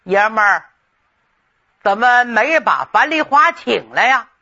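Storyteller doing a gruff old general, folksy and coaxing. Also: mid-range voice, big pitch swings, slow pace, sharp tone, muffled recording, full character voice. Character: blustering old male general, folksy and scheming. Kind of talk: traditional storytelling.

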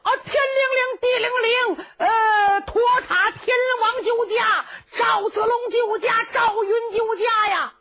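Brief: a swaggering old general who brags nonstop, played by a woman, high voice swooping widely, dull lo-fi recording. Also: sing-song, unhurried, full character voice. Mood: panicked. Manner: bragging, comic bluster. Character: boastful blustering old male general.

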